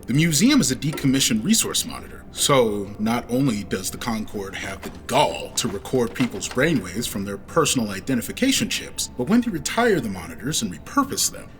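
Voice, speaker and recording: An actor playing a smug, ruthless captor in a science fiction audio drama, with a sardonic, taunting manner. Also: male voice, mid-range voice, sing-song, fairly quick, few pauses, soft background music, lightly acted. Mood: smug, persuasive.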